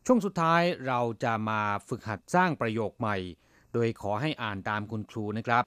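Male radio host teaching vocabulary, animated pitch, dry studio sound, patient explainer. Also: a little fast, dry recording. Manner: patient, explains each word and repeats it. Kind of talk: radio language lesson.

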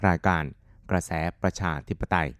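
A man announcing a radio program in a formal, polite manner. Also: normal speed. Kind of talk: station announcement. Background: loud music.

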